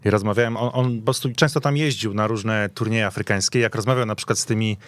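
A man's voice: fairly low pitch, steady tone, quick pace. A man speaking colloquial speech as a guest in a casual football discussion, telling stories as he goes. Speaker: radio podcast guest commentator.

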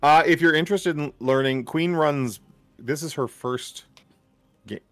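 A man's voice: fairly high pitch, unhurried, no room sound. A man hosting a charity game stream on a headset, upbeat and introducing guests. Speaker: stream host. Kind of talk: casual chat.

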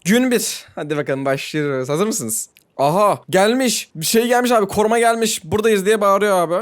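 Young turkish guy narrating a game, high voice, jumps all over, talks quick and jokey. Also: animated, clear, resonant tone. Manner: chatty, joking, calls viewers abi. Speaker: gaming channel host. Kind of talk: let's play commentary.

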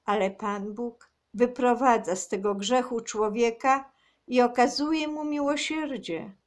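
Slow-reading woman with a high voice. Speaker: channel host reading a book aloud. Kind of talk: reading a religious book aloud.

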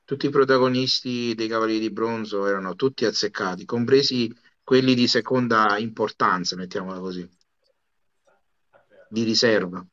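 A man's voice: fairly low pitch, steady tone, normal speed, fairly bright tone. A man giving casual live commentary as a panelist on an anime watch-along over a video call. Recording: slightly dull video call audio.

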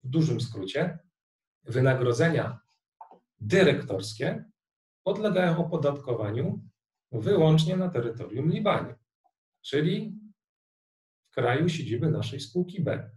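A middle-aged man giving a recorded online lecture on tax law, explaining a worked example step by step in a measured way. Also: on the high side, sing-song, a little mellow. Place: room indoors. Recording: roomy, distant webcam sound.

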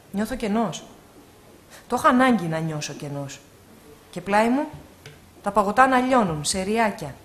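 A woman reading a literary short story aloud at a live event, in an expressive, measured way with pauses. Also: fairly high pitch. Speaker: reader at an award ceremony. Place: live event before an audience.

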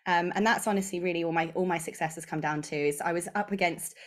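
A woman in her thirties from England, with an English accent, speaks fairly low at a quick pace and in a steady tone. She is a course creator appearing as a guest on a casual podcast interview, talking over a video call from her home office lined with bookshelves. Bubbly and enthusiastic, she gestures a lot.

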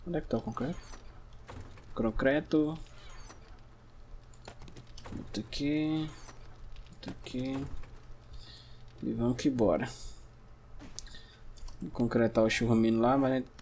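A man from Brazil talks his way through a survival game in a relaxed, mid-range voice, thinking aloud and teasing the enemies. Now and then he shouts in surprise. Faint typing and room ambience sit behind him. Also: medium pitch, slow pace, pauses often, slight background noise. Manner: chatty, talks to himself and the audience, bursts into shouts at scares. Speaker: gameplay streamer. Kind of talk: casual gameplay commentary.

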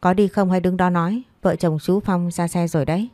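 A wisecracking young man mocks his chatty friend with wry jabs, as a woman reader puts him on. The delivery is mellow and low, recorded close and dry. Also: steady tone, fairly quick, no room sound, lightly acted. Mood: mocking.

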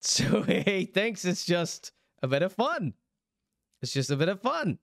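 Middle-aged man, mocking commentary, amused, higher-pitched, resonant, dry close recording. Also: big pitch swings, unhurried, vocal fry, no room sound. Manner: sarcastic, amused. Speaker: reaction video host. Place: small indoor streaming room. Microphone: studio microphone close to mouth.

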